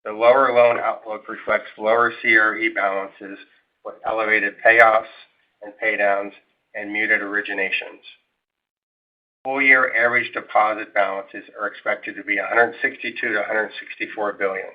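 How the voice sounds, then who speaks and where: Guy on a phone-quality line, lowish voice, reading out formal corporate finance remarks like an exec, measured. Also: fairly even intonation. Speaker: company executive on an earnings call. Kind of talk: scripted financial presentation. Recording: tinny, narrow phone line.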